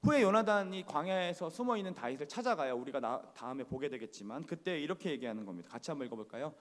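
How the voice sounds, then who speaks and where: A fairly high-voiced male pastor talks fast and with lively intonation as he preaches in a church sanctuary, the hall's reverb audible. He keeps it conversational, regularly questioning the congregation.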